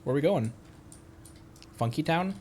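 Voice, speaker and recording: A man's voice: a little high, expressive, unhurried, a little mellow, a little hiss or hum. A man live-streaming a game, chatting casually and playfully as he reacts aloud to what happens. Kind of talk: casual live gameplay chat.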